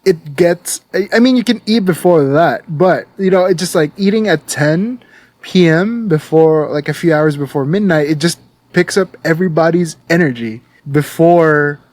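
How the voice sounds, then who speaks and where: A man's voice: a little high, normal speed, a little mellow. A man from the Philippines co-hosting a podcast, talking casually and peppering his speech with "like" and "you know". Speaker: podcast co-host.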